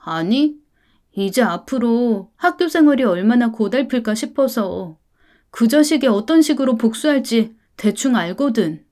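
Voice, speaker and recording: Lady voicing a sulky little boy, stubborn and resentful, high voice. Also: lively intonation, unhurried, a little mellow. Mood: glum. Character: sulky defiant schoolboy, about ten.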